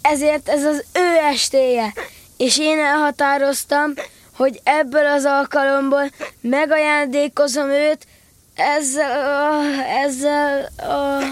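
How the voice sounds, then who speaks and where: A woman plays an earnest little boy with a high, young voice. The speech is deliberate and formal, recorded dry for a children's audio play. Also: flat delivery, no room sound, lightly acted. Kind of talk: audio drama acting of children's story.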